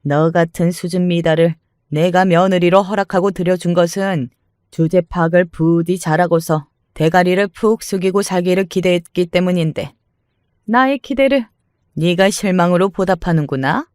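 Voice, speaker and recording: A man voicing a domineering, scornful older mother-in-law, scolding in a shrill, contemptuous way. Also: moderate pace, clean tone, no echo, clean studio sound, lightly acted. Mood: indignant. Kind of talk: dramatized story reading.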